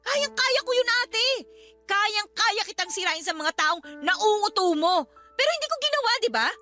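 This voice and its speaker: A wounded younger sister who fights back with sarcasm, her voice very high and bright. Faint music plays beneath her. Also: sing-song, moderate pace, exaggerated voice. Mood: firm. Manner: bitter, cutting. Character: hurt younger sister standing up to her elder. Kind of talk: Tagalog radio drama acting.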